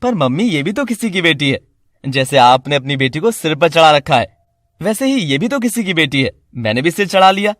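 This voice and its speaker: A man's voice: fairly high pitch, sing-song, a little fast, a bit bright, no room sound, studio quality. A man voicing a young husband who speaks firmly and matter-of-factly. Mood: defiant. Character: young husband, firm and defiant. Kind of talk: Hindi family drama voice acting.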